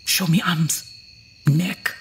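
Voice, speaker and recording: An actress playing a blunt, superstitious old island woman with a gravelly, whispery voice in an audio horror drama. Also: low-pitched, steady tone, very slow, a little hiss or hum. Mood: scolding, dark. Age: older.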